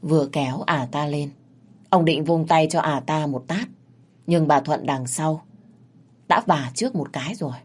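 A woman reading a scripted narration of a ghost story in a steady, measured way. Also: deep voice, slightly rough.

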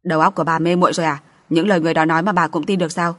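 A woman's voice: low-pitched, steady tone, very fast, a bit bright. A woman voicing a hot-tempered, scheming husband and father in an audiobook, scolding and defensive. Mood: indignant, defensive.

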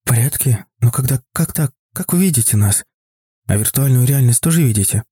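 A man's voice: mid-range voice, animated, brisk, dark tone, husky, no room sound, studio quality. A man voicing an earnest, curious young mother who asks a lot of questions, in a storybook reading.

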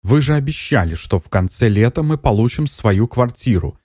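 A man's voice: mid-range voice, lively intonation, moderate pace, darkish tone, breathy edge, dry recording, pitched above the performer's own voice. An impatient middle-aged woman who has waited too long and lets it show, played by a male narrator. Her voice sits raised and tight. Dry, close recording. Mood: irritated. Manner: irritated, demanding.

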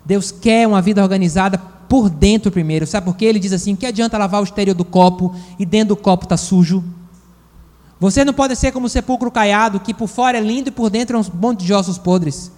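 A man preaching a sermon as pastor and psychologist, lively and acting out the voices he quotes. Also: high voice, brisk, big-room sound. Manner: animated, acts out quoted voices.

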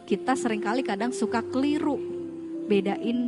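A woman with a high, bright-pitched voice gives an animated Islamic parenting talk to a room of parents. She throws rhetorical questions at the audience and slips into quoted voices to make her point. Music plays clearly behind her. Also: normal speed. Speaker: parenting seminar speaker.

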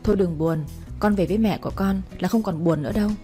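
A woman's voice: medium pitch, quick pace, dark tone, faint music behind, close to an everyday voice. A woman voicing a spiteful stepmother who taunts and mocks her stepdaughter, in a storybook reading. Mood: sneering. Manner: sneering, taunting.

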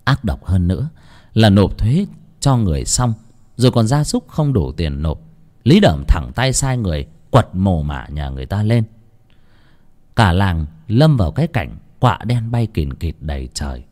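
Low-voiced man telling a grim folk tale. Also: sing-song, normal speed, darkish tone. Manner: grave, emphatic storytelling. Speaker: storyteller. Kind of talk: dramatic folk-tale narration.

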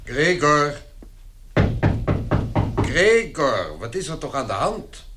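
A man's voice: on the high side, very animated, slow pace, loud music behind the voice. A man playing a stern, impatient father in a radio play, calling insistently to his son. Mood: stern concern.

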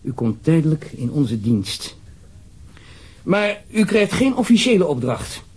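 A man's voice: on the high side, big pitch swings, unhurried, a little mellow, breathy edge, exaggerated voice. A man with a Netherlands Dutch accent playing an uneasy, formal government official in a radio drama, wordy and hesitant. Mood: businesslike, urgent.

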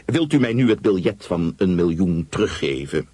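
A male reader voicing an older wealthy gentleman who is boisterous and exclaims loudly when pleased. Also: low voice, big pitch swings, moderate pace, slightly rough, no room sound, full character voice. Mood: genial. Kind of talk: audiobook reading.

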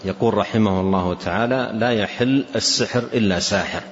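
A man giving a religious lesson as a scholar commenting on a classical text, speaking deliberately and repeating key phrases for emphasis. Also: lowish voice, a little hiss or hum. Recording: dull lo-fi recording.

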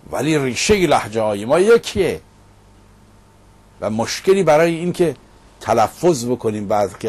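A man's voice: mid-range voice, darkish tone. A middle-aged man hosting a monologue show, recounting a debate in an emphatic storytelling manner. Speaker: host. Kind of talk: casual monologue. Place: Paris.

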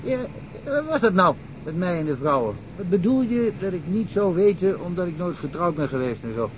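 An actor playing a talkative middle-aged provincial police detective in a radio drama, telling wry stories and chuckling often. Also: male voice, sits high, sing-song, fairly quick, a little hiss or hum, poor audio. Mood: amused, chatty.

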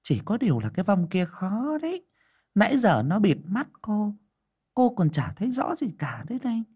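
A man voicing an older female fortune-teller who frets and explains in quick bursts. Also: sits high, huge pitch swings, a little mellow, husky, voice pushed up, full character voice. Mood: fretful. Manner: fussy, exclaiming, talks fast in bursts. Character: older woman fortune-teller, fretful and worried.

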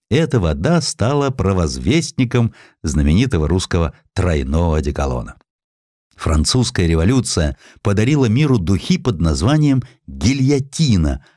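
A man's voice: low-pitched, darkish tone, dry recording, studio quality. A man narrating a historical essay as a scripted audiobook, reading expressively and acting out the quotes.

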